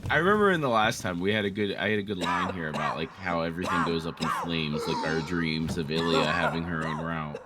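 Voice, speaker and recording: A man's voice: sits low, brisk, few pauses, very noisy. A man co-hosting a gaming session in casual chat, rambling, joking and swearing freely. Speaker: gaming co-host. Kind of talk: casual chat over gameplay.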